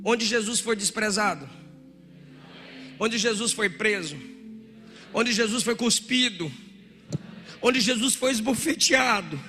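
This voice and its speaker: A man preaching a Pentecostal sermon in a church, animated, often shouting and acting out voices from the crowd. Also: very high-pitched. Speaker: pastor. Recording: church hall reverb with music.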